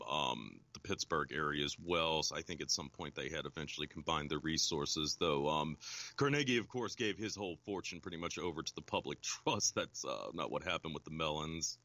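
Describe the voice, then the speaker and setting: A man with a very low voice answers interview questions as a guest author. He explains in a measured way, pausing on ums. His voice sounds dry and close. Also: pushed and bright, no echo.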